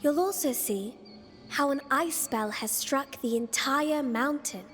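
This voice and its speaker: A mysterious girl guide in a fantasy game speaks in a high, unhurried voice. She is playful and cryptic, teasing gently, and her words ring in a long reverb over faint music. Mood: calm, informative. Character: enigmatic playful girl guide in a cursed mythic Persia. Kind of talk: video game dialogue.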